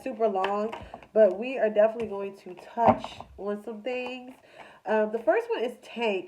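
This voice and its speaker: A woman's voice: mid-range voice, dark tone, highs cut off, a little hiss or hum. A congested woman doing a casual, chatty tarot reading with a loose, filler-heavy way of talking. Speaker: tarot reader.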